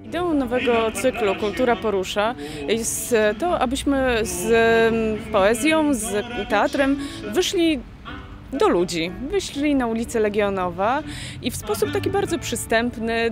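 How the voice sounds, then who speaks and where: Thirties woman, organizer, fairly high voice, hesitant, music behind. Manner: hesitant, with fillers. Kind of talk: interview statement. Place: outdoor park.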